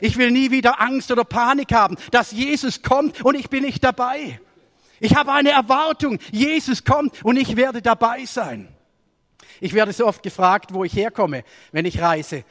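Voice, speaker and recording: High-voiced male preacher, storytelling sermon style, reverberant hall sound. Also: moderate pace. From Germany. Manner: storytelling sermon with swings between raised emphasis and quiet asides.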